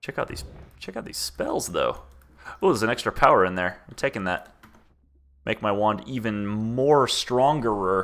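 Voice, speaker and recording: A man with an American accent talks at a medium pitch and moderate pace. He leaves long, frequent pauses, and his loudness swings widely. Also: ordinary pitch variation. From US Midwest, Indiana. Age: 20s. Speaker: game streamer. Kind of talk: casual gameplay commentary. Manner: animated.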